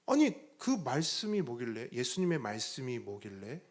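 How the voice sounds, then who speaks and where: A man's voice: mid-range voice, sing-song, normal speed. A male pastor preaching a sermon, asking the congregation questions and answering them. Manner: emphatic preaching with rhetorical questions.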